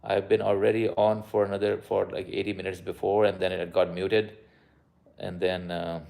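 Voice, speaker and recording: A man's voice: deep voice, flat delivery, moderate pace, creaky, dark tone. A man with a South Asian accent, a doctor chatting casually on a live stream, switching between Urdu-Hindi and English mid-sentence. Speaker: doctor answering live viewer questions.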